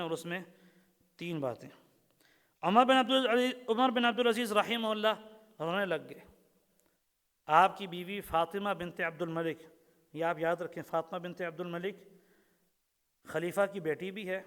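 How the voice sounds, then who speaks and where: A man's voice: high voice, fairly bright tone, clear, resonant tone, long reverb tail. A man giving a religious lecture, telling stories, repeating phrases, reciting verses in Arabic and putting questions to the audience. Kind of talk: Urdu sermon lecture.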